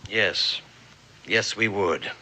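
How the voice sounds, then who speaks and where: An actor playing a genial, wise older male printer with a lively, lightly humorous manner in a television drama. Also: on the low side, extremely slow, noisy background. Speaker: Benjamin Franklin figure.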